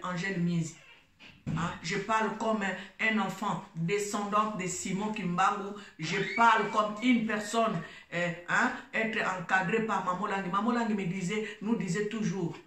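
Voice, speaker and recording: A woman's voice: medium pitch, a bit bright, roomy sound. A Congolese woman, a gospel singer, giving an impassioned religious talk, emphatic and repetitive, slipping between French and Lingala. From Democratic Republic of the Congo. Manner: emphatic, preachy, repeats phrases, mixes French and Lingala.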